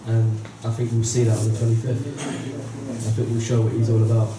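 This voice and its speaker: A man's voice: fairly low pitch, monotone, brisk. A man speaking for a boxer at a press conference, in brief, plain remarks. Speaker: boxing team representative. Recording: echoey room, distant mic, noisy.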